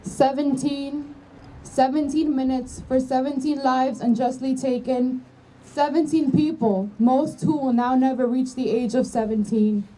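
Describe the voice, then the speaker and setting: A woman's voice: sits high, steady tone, a little slow, dark tone. Solemn, impassioned young woman at a rally. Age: young adult. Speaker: student rally organizer. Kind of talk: rally speech. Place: outdoor school campus. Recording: distant mic, faint outdoor noise.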